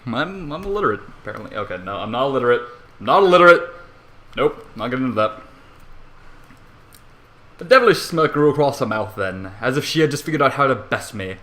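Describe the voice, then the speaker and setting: A man's voice: medium pitch, sing-song, brisk, pauses often, sharp tone. A man narrating a comedic story theatrically, with irreverent, sweary asides. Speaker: amateur fan fiction reader.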